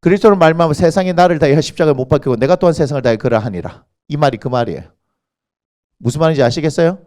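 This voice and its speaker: Male pastor, fairly high voice, animated sermon with rhetorical questions. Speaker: senior pastor. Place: church sanctuary.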